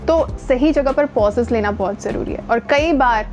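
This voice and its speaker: Her voice is high-pitched yet darkish in tone, moving at normal speed over soft background music. Speaking with an Indian accent, this voice coach and presenter delivers conversational instruction to camera, slipping into English and emphasizing key words.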